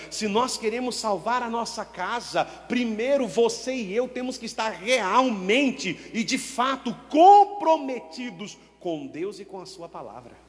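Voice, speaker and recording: Brief: male pastor from Brazil, high voice, dramatic sermon delivery, long hall reverb. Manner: preaching with sudden swings of pitch and loudness, acting out church members. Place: church hall.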